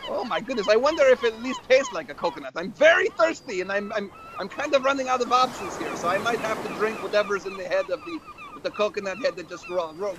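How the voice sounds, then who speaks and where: Very high, swoopy skeleton dad. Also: male voice, noisy background, exaggerated voice. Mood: excited. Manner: rambling, repeats phrases, tags sentences with "right?". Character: chatty, excitable, scatterbrained skeleton dad hosting a show. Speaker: show host. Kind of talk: improvised comedy skit banter.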